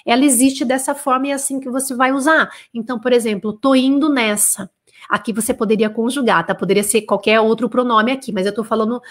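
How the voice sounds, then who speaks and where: Brazilian woman French teacher, slightly high voice, chatty, drills phrases slowly, keeps checking in. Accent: Brazilian Portuguese. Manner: casual, checks in with tag questions, slows down to model French phrases. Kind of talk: live online language lesson.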